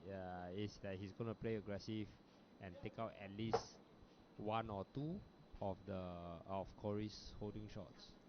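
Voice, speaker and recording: A man from Singapore with a Singaporean English accent, giving relaxed, chatty live commentary on a bowls match, with frequent fillers. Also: lowish voice, measured pace. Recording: lo-fi broadcast audio with background noise.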